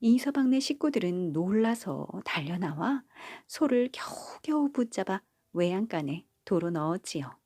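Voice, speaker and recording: A woman reading a bedtime folk tale in a gentle, motherly storytelling manner. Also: medium pitch, very animated, a little slow, few pauses, dry recording, studio quality. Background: faint background music.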